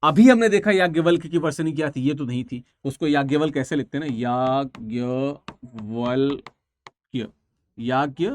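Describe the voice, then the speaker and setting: A man's voice: a little high, a little mellow. A man teaching an online exam-prep language class, talking casually and repeating each answer several times.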